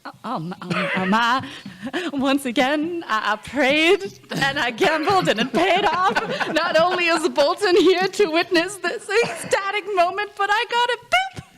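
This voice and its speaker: A woman's voice: very high-pitched, expressive, measured pace, noisy background. A woman playing in a tabletop game, gushing and giggly. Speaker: player. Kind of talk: tabletop role-play.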